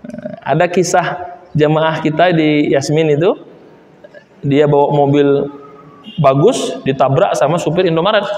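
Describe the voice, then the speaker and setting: A man gives a sermon, his voice sitting high as he tells animated stories. The sound rings around a roomy hall with a long reverb tail, and faint ambience sits underneath. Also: lo-fi sound, a little hiss or hum. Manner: animated storyteller who acts out quoted voices. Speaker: ustadz preacher. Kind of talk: sermon with storytelling.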